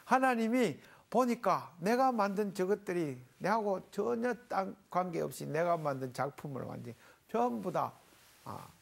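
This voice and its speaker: A middle-aged pastor teaches scripture to a small panel. His pitch swings widely as he works through his points. He explains old Hebrew words with homely everyday examples. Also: sing-song, normal speed, gravelly. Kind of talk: televised Bible lecture with a panel.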